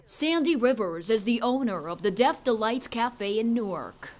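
A young woman reporter delivering a scripted news report in a crisp, measured way, partly on camera on a city street. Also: fairly high pitch, animated, darkish tone, slight background noise.

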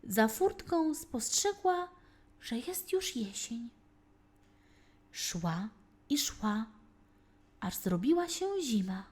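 A woman narrating a children's fairy tale in an expressive, deliberate, scripted storytelling style. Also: fairly high pitch.

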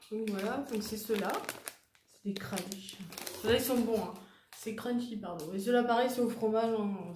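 A young woman chatting casually through a shopping haul, rambling and correcting herself with many fillers. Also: a little high. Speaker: vlogger showing a shopping haul. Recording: echoey room with faint noise.

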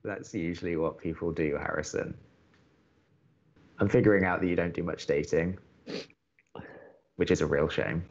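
Drew, low-voiced wry college radio host. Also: male voice, steady tone, moderate pace, vocal fry, long pauses, muffled recording. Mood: teasing. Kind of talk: naturalistic audio drama dialogue.

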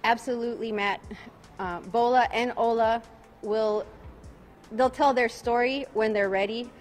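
A woman in her forties, an attorney, answering reporters' questions at a night press conference outdoors. She sounds tired and talks calmly, repeating each question before she answers. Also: on the high side, unhurried, faint music behind. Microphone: bank of press microphones.

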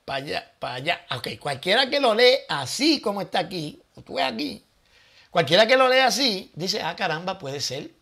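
A man's voice: high-pitched, sing-song, normal speed, creaky, bright, forceful tone. A man hosting his own channel, giving casual Bible teaching with rhetorical questions and thinking aloud.

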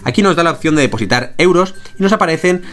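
A man's voice: a little high, expressive, fast talker, fairly bright tone, soft background music. A young man with a Spain Spanish accent, hosting a step-by-step screen-share tutorial from a small room, explaining energetically. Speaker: tutorial host.

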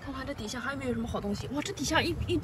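A woman vlogging as she forages on a rocky seashore, giving excited live commentary full of delighted cries. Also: high voice, rapid-fire, noisy background. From Shandong, China. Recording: distant mic with loud outdoor ambience.

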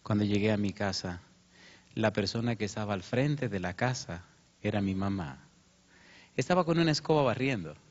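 A man's voice: expressive, moderate pace. A man preaching a sermon as pastor. He tells a story with feeling and raises his voice when he quotes people. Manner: emotional storytelling, rising pitch when quoting. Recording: muffled lo-fi sermon recording.

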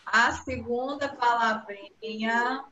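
A woman's voice: on the high side, slow, sharp tone, slight background noise. A woman with a Brazilian Portuguese accent teaching young children in an online class, patiently coaxing and stretching out words. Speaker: primary school teacher. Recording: echoey room, dull video-call audio.

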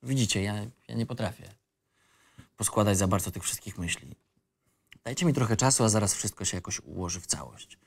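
An actor as a low-voiced, disillusioned young man. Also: expressive, brisk, gravelly. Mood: hesitant, reflective. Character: disillusioned, rambling man in his twenties telling his life story. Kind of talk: first-person narration in a screenplay reading.

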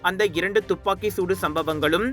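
A man presents the news in a high, bright voice with a Malaysian Tamil accent. His delivery is formal and measured, each phrase carefully enunciated, over faint background music. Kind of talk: formal scripted news reading.

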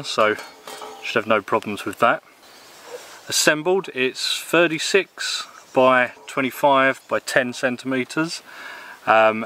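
Out in the woods, an English man in his thirties casually reviews a camping table. His fairly low voice is relaxed and full of ums and uhs as he talks through the gear.

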